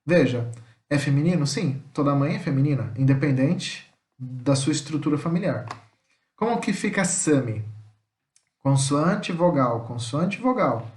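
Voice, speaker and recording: A man's voice: a little high, lively intonation, darkish tone. Patient man teaching in an echoey room. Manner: patient, repeats "tá?" after each point, sounds out words slowly. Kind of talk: online language lesson.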